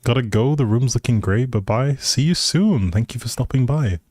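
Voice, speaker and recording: A man's voice: mid-range voice, moderate pace, darkish tone, husky, no echo, studio quality. A man live streaming a game, chatting casually with viewers in a friendly, rambling way as he thinks aloud. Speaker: live streamer playing a life simulation game. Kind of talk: casual gameplay chat with viewers.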